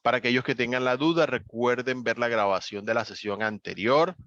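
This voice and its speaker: A man's voice: medium pitch, fairly quick, no echo. Man, patient step-by-step teacher, dry muffled recording. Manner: patient, step-by-step explaining with lively rises on key words. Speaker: English teacher. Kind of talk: online class explanation. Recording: dull, slightly lo-fi dry recording.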